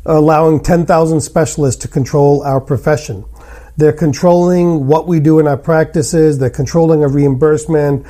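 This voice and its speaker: A man with a fairly high voice and a very mellow, dark tone hosts a podcast. He talks conversationally and is blunt and opinionated. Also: fairly even intonation, moderate pace. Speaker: podcast host, general dentist. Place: hotel room.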